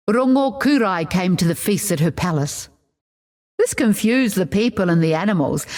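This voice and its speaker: An actress plays a proud woman warrior of a tribal people in a fantasy game. She recounts myths with measured assurance and firm opinions, at a medium pitch. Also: natural voice. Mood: wry, storytelling. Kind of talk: scripted in-character lore narration.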